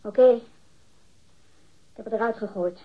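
A woman acting as a young witness in a radio play, defensive and haughty. Her voice is fairly high and husky, with fast, clipped, scornful replies. The sound is dull and lo-fi. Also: natural voice. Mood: defensive, indignant. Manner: curt, sarcastic, indignant. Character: defensive, haughty, bitter young female librarian under questioning. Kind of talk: radio drama dialogue.

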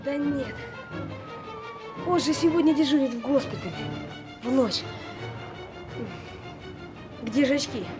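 High, hesitant little boy. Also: unhurried, pauses often, music in the background. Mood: bewildered, frightened. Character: bewildered, nearsighted small boy groping for glasses. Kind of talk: Soviet radio play acting.

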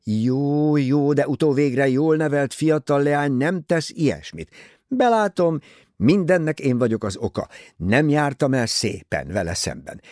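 A man reading aloud, voicing a nervous, agitated young husband who pleads and protests in excited outbursts. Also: fairly high pitch, dry recording, clean studio sound, voice pushed up.

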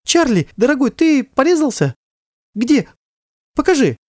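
A man's voice: very animated, a little slow, no room sound, studio quality, heavily acted. A man voicing a young mother who coos tenderly over her son and flares up at her husband, in a storybook reading. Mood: tender cooing. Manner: soft cooing turning to shrill outbursts. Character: young mother, tender, protective, explosive when angry.

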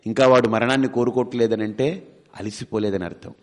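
Man giving an animated spiritual discourse. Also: medium pitch, a little fast. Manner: animated storytelling, acting out family members in quoted voices; rhetorical questions answered himself. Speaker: spiritual teacher.

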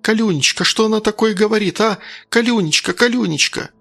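A man's voice: high-pitched, brisk, creaky, bright, forceful tone, voice pushed up, exaggerated voice. A man putting on a shrieking hysterical mother. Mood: pleading.

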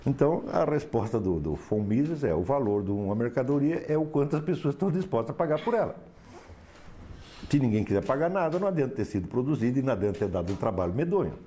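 A man's voice: mid-range voice, big pitch swings, fast, mellow, a little hiss or hum. A man giving a philosophy lecture to a class, emphatic and sardonic, often asking for assent.

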